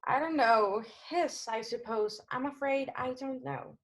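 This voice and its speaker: A woman's voice: high voice, a little slow. A woman playing an anxious, evasive femme fatale in a 1940s-style radio noir, hesitant and theatrical.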